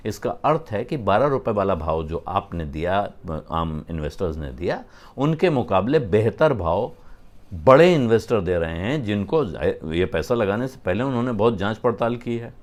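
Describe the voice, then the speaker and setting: Man explaining business news with pauses. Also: medium pitch. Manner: conversational, explains terms with frequent "uh" pauses.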